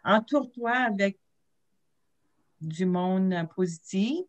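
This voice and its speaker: A middle-aged woman with a Franco-Ontarian accent tells anecdotes on a video call from a home office. Her voice is mid-pitched and conversational. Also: takes it slowly. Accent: Franco-Ontarian French. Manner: storytelling, warm laughs. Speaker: panelist. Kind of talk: casual video-call discussion.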